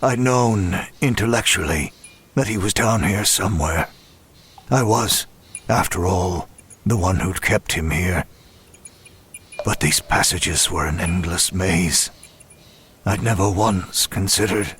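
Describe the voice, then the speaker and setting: A man playing a broken, self-loathing demon who narrates a horror audio drama in a grave, measured way. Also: low voice, a bit bright. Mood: wary, stunned. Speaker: first-person narrator.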